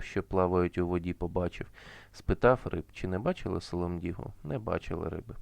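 A man narrating a folk fairy tale as a storyteller, in a measured, rhythmic way. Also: sits low, creaky, no echo.

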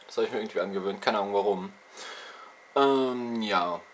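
A man's voice: lowish voice, moderate pace, a little hiss or hum. A young man hosting a gaming channel, chatting loosely and self-mockingly with lots of fillers, a little congested from a cold, recorded on a handheld camera in his bedroom. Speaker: let's play channel host. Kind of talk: casual rambling info vlog. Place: bedroom with TV and consoles, indoors. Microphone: handheld video camera's built-in mic.

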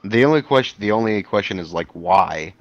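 A man playing in an online tabletop game, talking relaxed and thinking aloud. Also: on the low side, a little fast, no echo, muffled recording. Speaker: player. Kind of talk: casual chat during a tabletop game. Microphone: headset over voice chat.

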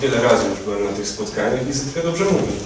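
A man's voice: mid-range voice, lively intonation, fast, natural voice. A young male student actor playing a pompous, admiring devotee who lectures the others in a grandiloquent way. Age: late teens. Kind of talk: amateur stage acting. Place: converted attic hall at a school. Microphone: distant room mic. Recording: echoey room, distant mic, noisy.

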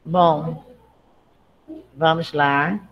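A woman's voice: deep voice, steady tone, extremely slow, muffled recording. Chatty, encouraging woman teacher. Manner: chatty, checks in with frequent "tá?"; encouraging and motherly with students. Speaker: Portuguese teacher. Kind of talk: live online grammar lesson.

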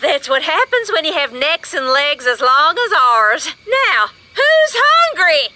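A woman's voice: high voice, sing-song, takes it slowly, sharp tone, slight background noise, exaggerated voice. A woman voicing a chatty, fussing mother flamingo in a children's cartoon, good-humored and motherly. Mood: cheerful. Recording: music behind, screen-recorded cartoon.

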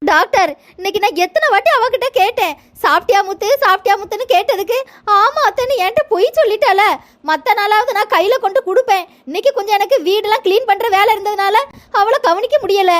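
A woman's voice: very high-pitched, fast talker, fairly bright tone. A woman voicing a defensive mother-in-law. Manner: defensive, complaining. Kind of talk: cartoon voice acting.

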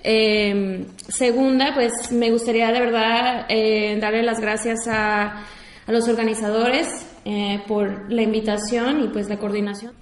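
A woman's voice: a little high, little pitch movement, a little slow, a little hiss or hum. A woman in her twenties, from Mexico, with a Mexican Spanish accent, giving an informal talk in a university hall with many fillers and restarts. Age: 20s. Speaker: invited speaker, war veteran. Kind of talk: public talk to an audience. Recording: echoey lecture hall.

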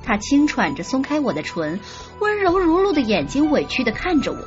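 A woman's voice: high voice, wildly swooping pitch, fairly quick, lo-fi sound, faint music behind. A woman narrating a romance audiobook expressively, acting out the heroine's lines.

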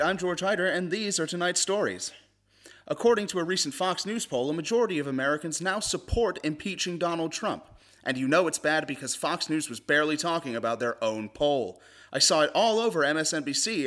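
A man giving a polished, clearly presented scripted read in the style of a commercial or news host. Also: fairly high pitch, a bit bright. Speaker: voice actor, comedy news host.

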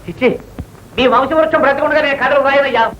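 An actor playing a flustered, pompous writer in a film comedy, with a theatrical manner. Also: male voice, extremely high pitch, steady tone, fast talker. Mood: fussy. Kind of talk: 1980s film comedy acting. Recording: dull old film soundtrack with faint hiss.

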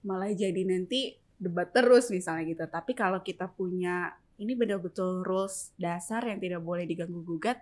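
Measured woman explaining parenting rules. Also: fairly low pitch, a little mellow. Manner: measured, lists points, checks in with tag questions. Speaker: parenting expert. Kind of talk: explanatory interview talk.

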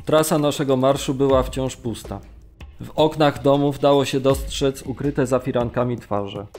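A man acting a sombre Polish camp survivor recounting his memories in a measured audio drama reading. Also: mid-range voice, steady tone, darkish tone, soft background music, close to an everyday voice. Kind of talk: dramatised documentary memoir reading.

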